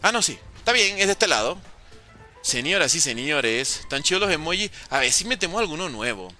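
A man, excitedly commentating his own gameplay on a live stream. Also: on the high side, brisk, soft background music. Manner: excitable, shouts and pleads at the game. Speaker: gaming streamer.

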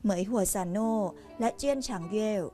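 A woman news narrator reading a scripted royal news report in a formal, measured way. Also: a little high. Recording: voice-over with soft music underneath. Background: faint music.

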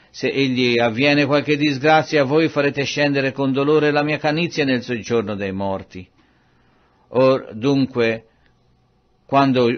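A man reading scripture aloud in a measured, solemn way. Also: mid-range voice, highs cut off. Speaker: Bible reader.

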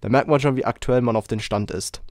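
A man hosting a casual podcast while he has a cold, talking in a rambling, relaxed way with lots of fillers. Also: medium pitch, a little fast, dry recording, clean studio sound. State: has a cold, hoarse throat. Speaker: podcast host.

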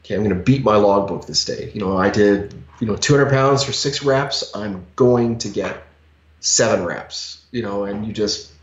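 Speaking at a moderate pace in a lowish voice, a man in his forties co-hosts a fitness podcast over a video call using a headset. The conversation is casual, and he makes his points emphatically with lots of "you know" fillers. The call audio sounds echoey and slightly dull.

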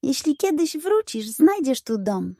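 A woman plays a proud tribal chief from an animal pirate tale. He speaks gravely and slowly, in a lifted storybook voice. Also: high voice, big pitch swings, mellow, no echo, studio quality, voice pushed up, heavily acted. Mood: solemn. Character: two gruff old-rival male tribal chiefs, weary, reconciled.

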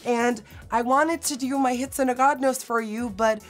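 A young woman with a hoarse, recovering voice and a Dutch accent, chatting dramatically through a makeup tutorial in a studio. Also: on the high side, steady tone, moderate pace, soft background music. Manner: bubbly, dramatic, self-mocking. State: hoarse from illness. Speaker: beauty vlogger. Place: indoor studio set.

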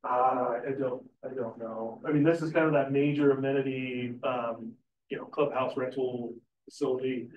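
A man's voice: mid-range voice, fairly even intonation, normal speed, a little hiss or hum. A man representing a developer, answering public questions casually with lots of "you know" and "um". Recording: dull, echoey, distant room recording.

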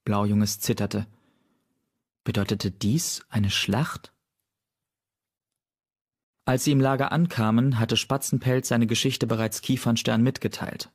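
A man reading an audiobook aloud in steady storytelling narration. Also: mid-range voice, takes it slowly, long pauses. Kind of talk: scripted narration.

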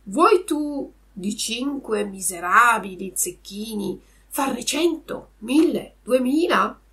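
A woman voicing a sly, lame male fox who coaxes smoothly in a storybook reading. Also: on the high side, animated, slow, bright, forceful tone, heavily acted.

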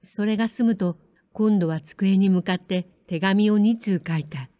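A woman narrates a samurai-era story in a calm, measured reading. Her voice is mellow and warm, recorded close and dry with no room sound. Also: mid-range voice, no room sound. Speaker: audiobook narrator. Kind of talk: scripted narration of a period story.

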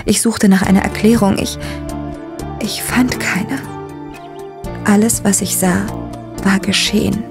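An actress narrating in first person as a young woman telling a shocking discovery, dramatic and breathy, sometimes whispering. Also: medium pitch, fairly even intonation, unhurried, long pauses, close to an everyday voice. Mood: shaken. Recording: narration over music. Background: music.

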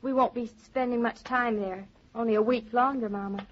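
An actress playing an eager, chatty young newlywed wife in a 1940s radio drama. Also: female voice, on the high side, moderate pace, a little hiss or hum, natural voice. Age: young adult. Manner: excitable, chatty and sweetly bantering. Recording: muffled 1940s radio broadcast.

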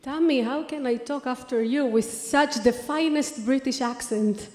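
A woman's voice: sits high, measured pace, a little mellow. A woman in her thirties with an Israeli accent, giving an earnest acceptance speech at a podium microphone with many fillers and restarts. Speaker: award recipient giving thanks. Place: large lecture hall on stage. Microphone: podium microphone on a stand. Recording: long hall reverb.

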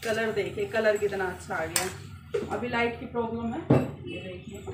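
A woman's voice: medium pitch, steady tone, moderate pace, roomy sound, very noisy. A woman chatting casually to her viewers while she cooks at home, talking through each step with many fillers. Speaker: vlogger. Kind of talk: casual cooking vlog narration. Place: home kitchen and rooftop.

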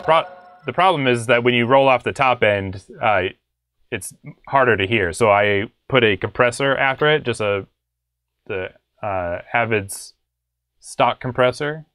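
A man's voice: mid-range voice, a little slow, a bit bright, no room sound. Dry-sounding young man, casual tutorial host. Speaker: music production tutorial host. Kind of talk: casual screen-share tutorial. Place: small home studio room.

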